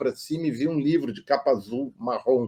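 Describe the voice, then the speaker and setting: In a very clean recording with a silent background, a man speaks at a fairly slow pace in a fairly high pitch. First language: German (speaking Portuguese). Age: 60s. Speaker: psychoanalyst. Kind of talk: interview conversation.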